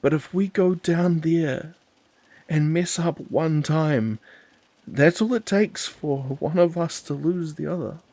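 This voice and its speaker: A man's voice: mid-range voice, measured pace, gravelly, long pauses, darkish tone, breathy edge, dry recording, pitched above the performer's own voice. A man voicing an anxious young man who stammers and defends himself to his partner. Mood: urgent.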